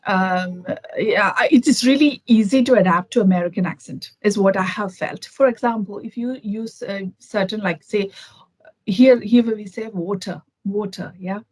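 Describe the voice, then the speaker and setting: A woman from Kerala with an Indian accent is a guest in a casual video-call conversation, speaking thoughtfully with lots of fillers and restarts. Her mid-range voice is a little mellow and moves at a moderate pace. The recording is dry, with no echo, and low in quality.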